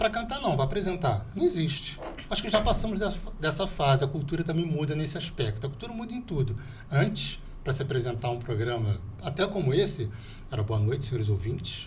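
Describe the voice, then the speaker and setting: A man's fairly high, fairly quick voice with very wide pitch swings, amid noticeable background noise and audible room echo. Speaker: history teacher, political analyst. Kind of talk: casual interview chat.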